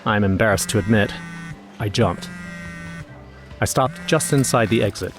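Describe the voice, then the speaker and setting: Man acting an uneasy young narrator, lowish voice, scripted horror storytelling, music underneath. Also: normal speed, lightly acted. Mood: uneasy, tense. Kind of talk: first-person scripted horror narration with acted dialogue.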